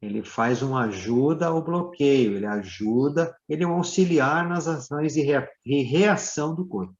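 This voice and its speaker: A man speaking as a dentist guest, explaining slowly with many fillers and tag questions. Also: on the high side, lo-fi sound. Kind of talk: live Q&A explanation.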